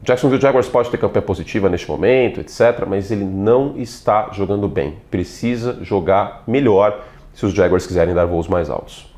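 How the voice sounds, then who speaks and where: A middle-aged man from São Paulo with a neutralized accent, hosting a solo football commentary video in an animated, playful, chatty way with lots of asides. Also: fairly low pitch. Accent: neutralized São Paulo Portuguese. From São Paulo, Brazil. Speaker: NFL analyst and channel host.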